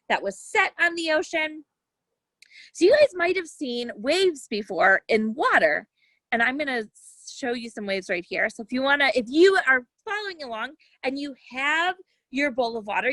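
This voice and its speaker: A woman's voice: sits high, a bit bright, no echo. A woman science educator presenting a lesson for young children, explaining things in simple terms as she reads and demonstrates.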